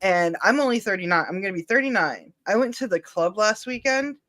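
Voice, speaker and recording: A woman's voice: mid-range voice, animated, brisk, fairly bright tone. A woman in her thirties co-hosting a reaction stream, chatting casually, joking at her own expense and swearing freely. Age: 30s. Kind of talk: casual chat.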